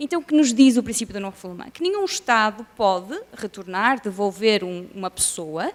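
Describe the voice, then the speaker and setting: A woman with a European Portuguese accent speaks with very wide pitch swings. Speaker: law professor. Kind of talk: conference talk. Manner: fast.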